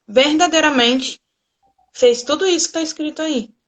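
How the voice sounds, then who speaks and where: High-voiced woman, chatty. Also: normal speed. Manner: chatty, asks teasing questions. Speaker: co-host. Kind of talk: casual Bible discussion.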